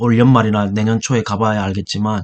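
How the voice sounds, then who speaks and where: His voice sits fairly low in pitch, and the man's intonation stays monotone and flat. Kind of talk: market commentary monologue. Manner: halting, many fillers.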